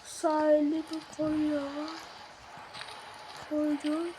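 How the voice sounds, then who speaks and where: A woman's voice: high voice, completely flat delivery, drawn-out words, dark tone, a little hiss or hum. A woman commenting on a horror game as she plays. She swears, mutters prayers when scared and shrieks when startled. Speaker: gamer.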